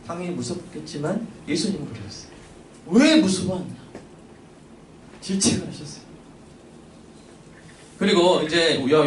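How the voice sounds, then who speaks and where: Korean pastor preaching in an echoey church. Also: male voice, fairly high pitch, slight background noise. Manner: lively preaching, questions to the congregation. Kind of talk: sermon. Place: church sanctuary. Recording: echoey church from a distant mic.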